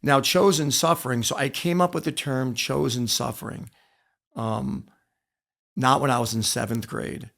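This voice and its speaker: A man's voice: mid-range voice, fairly even intonation, moderate pace, gravelly, a bit bright. A middle-aged American man telling personal stories in an interview, speaking earnestly and emphatically, repeating phrases for weight. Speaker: podcast guest, author and former wrestler. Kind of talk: reflective personal storytelling in an interview.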